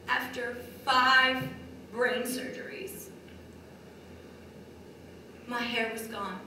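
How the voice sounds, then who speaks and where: A woman performing a stage monologue as a battered Native American wife, wounded, in deliberate, halting short phrases. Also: high-pitched. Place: large echoey room, distant microphone. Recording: very echoey hall from far off, faint noise.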